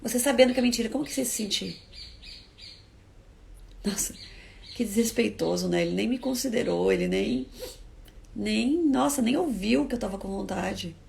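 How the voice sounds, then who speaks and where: A woman talking casually to her viewers about parenting, lively and expressive, acting out everyday phrases in her own voice. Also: normal speed, vocal fry, long pauses. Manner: expressive, acts out quoted lines in higher voices. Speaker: parenting educator. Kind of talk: casual talk to viewers, live stream.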